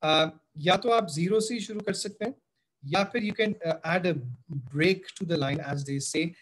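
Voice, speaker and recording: A man's voice: on the high side, very fast. A man with a South Asian accent giving an instructive tutorial as a teacher, speaking directly to pupils and switching between languages. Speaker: biology teacher. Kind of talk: tutorial explanation, switching between English and Hindi-Urdu. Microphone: screen-recorded voice-over.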